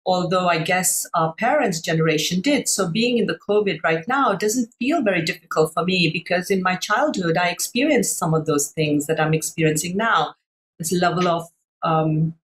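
A middle-aged woman from Sri Lanka, a coach speaking on a video call from home, thoughtful and searching for her words with many pauses and fillers. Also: on the low side, slight background noise. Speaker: master coach, panel guest. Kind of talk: reflective panel discussion. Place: room at home.

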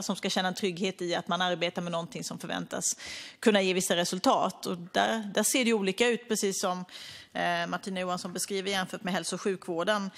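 A woman's voice: fairly low pitch, gravelly, a bit bright. Swedish woman minister speaking at a podium. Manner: measured, hesitant with frequent fillers. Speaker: government minister. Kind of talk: parliamentary debate speech. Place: parliament chamber. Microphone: podium microphone.

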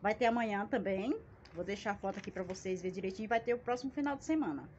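A woman's voice: mid-range voice, fast talker, a little mellow. A Brazilian woman in her forties chatting casually to her phone at arm's length, with a folksy, self-mocking, jokey manner. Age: 40s. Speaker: plant channel vlogger. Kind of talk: casual chat to camera. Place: small outdoor plant-filled yard by a wall. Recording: dull phone audio with background noise.

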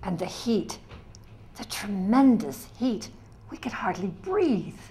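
A somber female ghetto survivor, played by an older woman, testifies in a solemn dramatic reading. Her voice has a medium pitch. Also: very animated, takes it slowly, dark tone. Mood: distressed.

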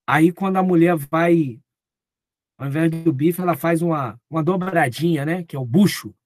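A man's voice: on the high side, moderate pace, no room sound, clean studio sound. A man preaching at a live Bible study, talking conversationally and acting out little dialogues. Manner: conversational, acts out quoted dialogue.

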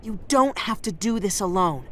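A man voicing a timid, earnest, excitable little furry creature in a cartoon video game, stammering and gushing. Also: high voice, moderate pace. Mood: earnest, gentle. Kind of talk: animated video game character acting.

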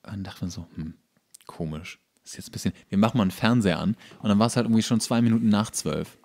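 A man's voice: lowish voice, quick pace, darkish tone. A man co-hosting a podcast, telling anecdotes in casual, colloquial, self-correcting speech. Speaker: podcast co-host.

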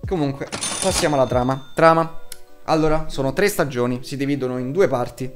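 A man in his twenties giving a casual, opinionated review to camera, blunt, emphatic and quick to swear. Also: mid-range voice, soft background music. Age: 20s. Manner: blunt, foul-mouthed, emphatic. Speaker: video reviewer. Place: small room at home, indoors.

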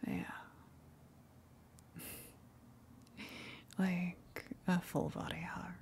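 A gentle female tentacle monster, played by a woman in an ASMR roleplay, whispering very slowly. She is shy and affectionate, hesitant and apologetic, with a low, breathy delivery. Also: fairly even intonation, full character voice. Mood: affectionate, sheepish. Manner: hesitant, apologetic, soft giggles between halting phrases.

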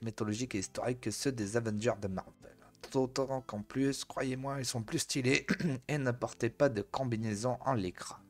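A man reading an article aloud as host, breaking off to joke at the guest. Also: medium pitch.

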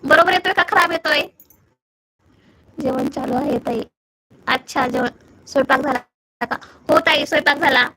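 A woman's voice: high-pitched, normal speed, long pauses, sharp tone, rough recording. A young woman with a Marathi accent hosting a casual phone live stream, chatting with viewers and asking whether her audio comes through.

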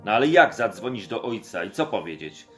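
A man's voice: fairly low pitch, very animated, a little fast, a bit bright, faint music behind. A man reading an audiobook chapter aloud, voicing the quoted dialogue expressively in his own voice. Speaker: audiobook narrator. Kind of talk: scripted audiobook narration.

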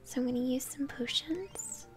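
A young woman game streamer whispers ASMR commentary over video game music, chatting encouragingly with her viewers from an indoor room at home. Her voice sits high and her pace is moderate.

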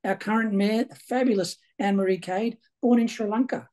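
Councillor, 60s, from Ireland, webcam call, relaxed dark tone, rambling casual delivery. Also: male voice, sits high, a little fast. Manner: chatty, repeats words as he speaks. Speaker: local councillor. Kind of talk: video call interview. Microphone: video call webcam.

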